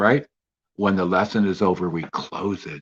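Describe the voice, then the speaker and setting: An ordinary speaking voice with an American accent moves at a moderate pace over a quiet background. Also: man. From Illinois. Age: 60s. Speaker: psychic medium and former criminal profiler. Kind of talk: podcast interview.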